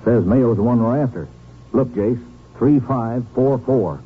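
Actor as a plain-spoken small-town sheriff, muffled radio. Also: male voice, mid-range voice, a little slow, over loud music, close to an everyday voice. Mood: earnest, sure. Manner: folksy, clipped, earnest. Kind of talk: 1950s radio drama acting. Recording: muffled, noisy 1950s radio recording.

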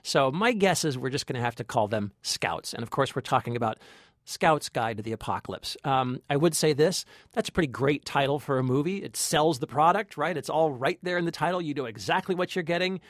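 A man's voice: fairly high pitch, animated, a little fast, no echo, studio quality. An American man co-hosting a film review podcast, talking informally and conversationally, with hedged opinions.

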